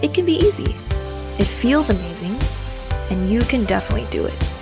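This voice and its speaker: A woman hosting a meditation podcast guides listeners through breathing and affirmations in a calm, medium-pitched voice that moves briskly, whispering some cues softly. Music plays in the background.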